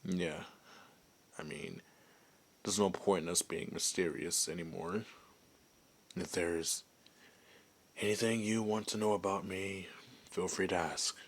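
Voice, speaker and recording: Male performer as friendly werewolf ex-adventurer for ASMR audio roleplay; deep register, slow delivery, softly amused, conversational. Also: fairly even intonation, full character voice. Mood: relaxed, friendly. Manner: hesitant, unhurried, softly amused.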